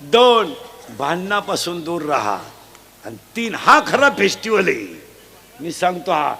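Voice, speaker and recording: High, bright-voiced man preaching a comic sermon. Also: big pitch swings, a little slow, gravelly. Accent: Marathi. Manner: shouts questions for children to answer back. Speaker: kirtan preacher. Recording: live event, faint crowd and noise.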